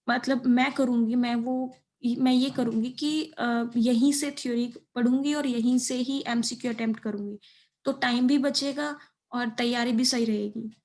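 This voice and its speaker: Young woman, Indian accent, high voice, very level intonation, informal study-advice presenter, explanatory. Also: a little mellow. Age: young adult. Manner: explanatory, mixes in English terms. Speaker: exam preparation video presenter.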